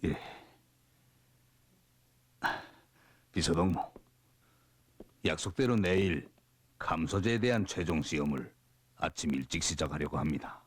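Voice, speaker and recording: An actor with a North Korean accent playing a devoted, self-reproaching bureau director in a film drama, solemn and measured. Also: male voice, very deep voice, no echo. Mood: respectful.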